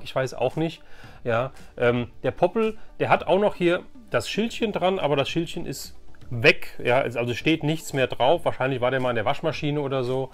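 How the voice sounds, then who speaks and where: Rambling middle-aged man, fairly high voice. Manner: rambling, enthusiastic. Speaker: host of a vintage toy collecting channel. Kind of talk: casual chatty flea market haul vlog. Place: room at home.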